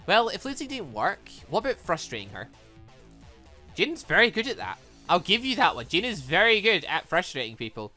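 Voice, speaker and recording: Really animated gamer reading a visual novel out loud, bright voice, bit of music behind. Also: mid-range voice, moderate pace. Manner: animated, excitable, exclaiming. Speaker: gaming YouTuber reading a visual novel aloud. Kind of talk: let's play commentary mixed with reading dialogue aloud. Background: video game music.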